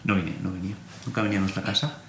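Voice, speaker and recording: A man, a priest, telling a personal story in an animated way and acting out remembered conversations. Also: low-pitched, rapid-fire, creaky. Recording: roomy echo, faint room hum.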